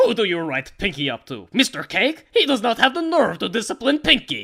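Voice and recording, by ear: A cartoonish character voice, fairly high in pitch, at a fairly quick pace.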